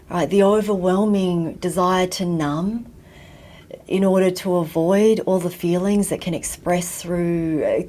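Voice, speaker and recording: A woman from Vietnam, raised in Australia, giving a slow, reflective talk and often dropping to a near whisper. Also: lowish voice, a little mellow. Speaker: guest teacher.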